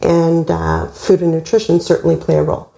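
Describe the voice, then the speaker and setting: A woman in her mid-fifties, a nutritionist, speaking on a panel in a measured, thoughtful way. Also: sits low, little pitch movement, gravelly, dark tone, roomy sound, poor audio. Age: 50s. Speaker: holistic nutritionist. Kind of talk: panel discussion.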